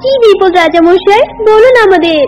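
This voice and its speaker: A woman puts on a scared cartoon animal, extremely high in pitch. The delivery is urgent and pleading, over clear music. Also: moderate pace, darkish tone. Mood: fearful, pleading. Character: frightened, pleading crowd animals of the jungle. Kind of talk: animated fable character acting.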